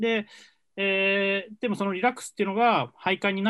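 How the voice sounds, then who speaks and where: The sound is dry and close, with no echo and a quiet background. A man speaks at a high pitch. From Japan, Gunma. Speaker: advertising planner, podcast co-host. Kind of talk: casual chat. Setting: remote call.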